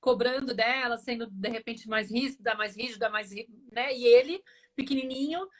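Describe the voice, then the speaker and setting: A woman's voice: fairly high pitch, normal speed. A woman hosting a casual live chat as a parenting mentor, affirming her guest with eager interjections.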